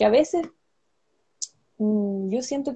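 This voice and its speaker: A woman with a fairly high pitch speaks at a fairly slow pace against a quiet background. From southern Chile (Wallmapu); southern Chile. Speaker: ayurveda practitioner / women's health guide; women's health guide. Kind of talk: interview on a live stream. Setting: video call. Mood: reflective, warm. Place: home room. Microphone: video call.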